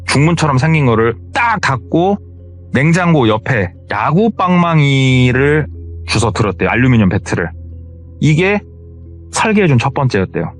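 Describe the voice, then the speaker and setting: A man recounts a scary true story in a relaxed, conversational manner. His mid-pitched voice moves up and down in a lively way. Faint music plays in the background. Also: moderate pace. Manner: conversational, retelling what he heard. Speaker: horror story narrator. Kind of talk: casual horror storytelling.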